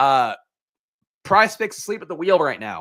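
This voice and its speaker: On a very clean recording with a silent background, a man projects a raised voice at a high pitch in an animated tone. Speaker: sports betting and fantasy analyst. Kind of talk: betting picks livestream. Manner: fast.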